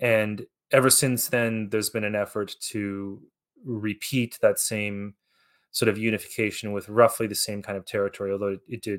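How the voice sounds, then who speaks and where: A man's fairly low voice, heard on a very clean recording against a silent background, moves at a moderate pace and keeps a fairly even intonation. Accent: Canadian. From Canada. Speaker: historian and author. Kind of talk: interview. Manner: halting, many repetitions and fillers.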